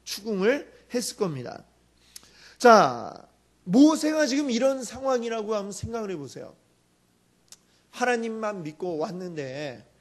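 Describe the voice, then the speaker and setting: A male pastor preaching a sermon, telling a story with lively acted-out quotes and asking the congregation questions. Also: high voice.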